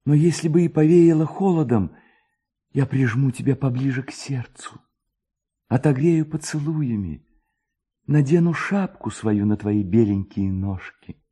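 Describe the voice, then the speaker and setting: A man's voice: mid-range voice, unhurried, mellow, slightly rough, voice pushed up. A man voicing an ardent, proud young Cossack lad, pleading with theatrical tenderness in a storybook reading. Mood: tender coaxing.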